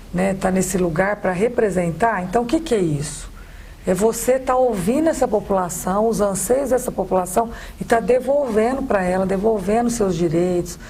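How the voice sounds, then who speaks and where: A woman's voice: medium pitch, mellow, a little hiss or hum. A woman with a Brazilian accent, a city councillor giving emphatic closing remarks, peppering her speech with "né". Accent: Brazilian Portuguese. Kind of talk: panel debate closing remarks.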